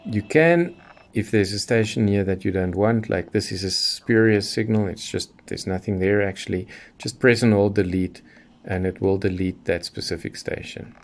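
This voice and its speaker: Speaking at a normal speed in a lowish register, this middle-aged shortwave radio enthusiast from Southern Africa walks through an unscripted product demo. He is methodical, narrating every step as he works.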